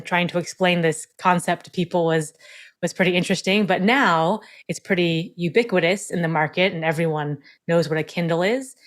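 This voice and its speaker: A middle-aged woman speaks as an interview guest, her voice sitting a little low for a woman. She talks in a friendly, reflective way, laughing easily and restarting a phrase now and then. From born in South Korea, raised in the United States. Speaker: guest, executive leadership coach. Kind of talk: casual interview conversation.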